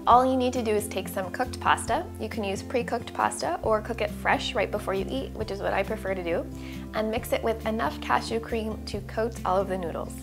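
A woman in her thirties, a cooking channel host, narrating a recipe voice-over with clear step-by-step instructions. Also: on the high side, a little fast, music in the background.

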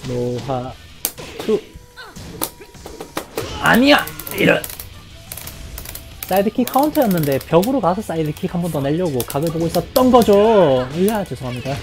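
A woman streaming her own fighting game match, calling the play and breaking into loud cries and laughs. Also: fairly low pitch, sing-song, moderate pace, pauses often. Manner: reads viewer chat aloud. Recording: game music playing loudly behind.

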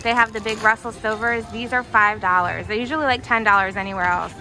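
A woman's voice: mid-range voice, steady tone, fast. A young American woman giving casual, enthusiastic shopping commentary as she gushes over items in a store. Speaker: shopping vlogger. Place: inside a discount retail store. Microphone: handheld camera or phone, held by the speaker. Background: music.

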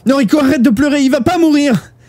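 A man voicing a desperate teenage boy who shouts frantically. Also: fast talker, no room sound. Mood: frantic. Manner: shouting, high-pitched and frantic.

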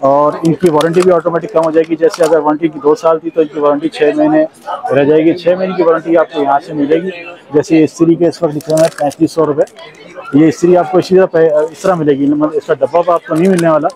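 A man's voice: on the high side, level tone, fast. A man hosting a walking vlog at an expo hall, chatting with vendors and often repeating their answers back. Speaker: vlogger host. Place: large indoor expo hall. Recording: busy crowd around.

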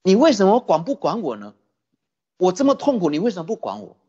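A man's voice: high voice, huge pitch swings, fairly quick, mellow, husky, muffled recording, voice pushed up, heavily acted. A Buddhist preacher voicing a suffering sick man who pleads again and again to be rescued. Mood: pleading. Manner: desperate, repeated pleading questions.

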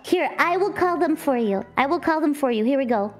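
A giggly, encouraging woman streamer co-hosting a show with excited casual banter. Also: high voice, a little fast. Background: music.

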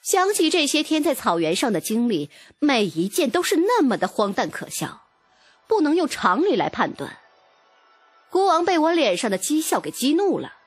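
A woman giving an expressive, dramatic first-person audiobook narration. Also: high-pitched, normal speed, dry recording, faint music behind.

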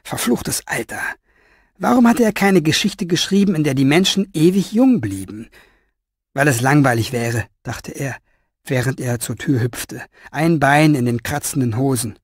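A man's voice: fairly high pitch, moderate pace, husky, no room sound, studio quality. Man reading a German audiobook. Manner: expressive storytelling with lively inner voice. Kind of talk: audiobook narration.

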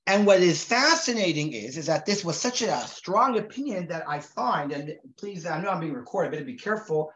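A man's voice: on the high side, animated, fairly bright tone, slight background noise. A man in his forties, raised in Israel, giving a recorded class to a group in a conversational way, often restarting and repeating words. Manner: reads Hebrew sources aloud quickly. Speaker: rabbi teaching a class. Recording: roomy, dull lo-fi sound.

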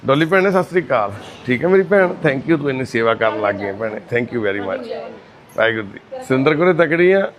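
A man chatting gently and reassuringly with residents of a shelter, greeting the women as mothers and sisters. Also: medium pitch, animated, a little fast. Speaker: charity volunteer visiting residents. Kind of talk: casual chat with care-home residents. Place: indoor shelter for destitute people.

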